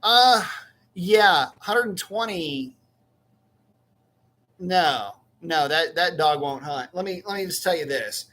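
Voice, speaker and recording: A man's voice: fairly high pitch, lively intonation, slow pace, pauses often, sharp tone. A middle-aged man hosting a casual live-stream chat, rambling and correcting himself in a folksy way. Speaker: livestream host.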